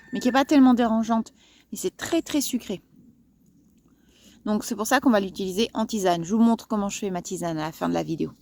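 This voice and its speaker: Woman, garden vlogger, chatty and teasing, mellow slightly high voice, dry sound. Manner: chatty, playful, with many fillers and asides. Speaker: gardener and landscaper presenting plants. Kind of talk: casual garden vlog.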